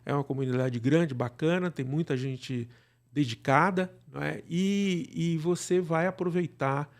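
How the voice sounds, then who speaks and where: A middle-aged Brazilian man with a fairly high voice talks as a podcast guest. He rambles in a casual, conversational way and often tags his thoughts with small check-in questions. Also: unhurried.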